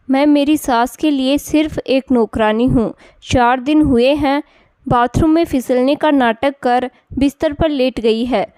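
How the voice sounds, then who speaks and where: Bitter, tearful young wife read by a woman, high clear voice, unhurried, storybook telling. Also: a little mellow, no echo, clean studio sound. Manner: complaining, resentful.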